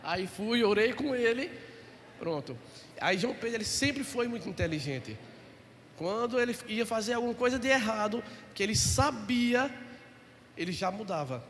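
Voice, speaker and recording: A man's voice: high voice, lively intonation, normal speed, fairly bright tone. A man, a pastor preaching a sermon and telling stories with acted-out dialogue and jokes. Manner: storytelling, acts out dialogue, jokes. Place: church. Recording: echoey church hall, faint noise.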